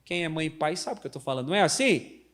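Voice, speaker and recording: A middle-aged Brazilian pastor preaches at a church service with a high voice that leaps around expressively. He tells his stories animatedly, acts out family members, and keeps turning to the congregation with questions. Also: lively intonation, racing, fairly bright tone. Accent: Brazilian Portuguese. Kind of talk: lively live church sermon with family anecdotes.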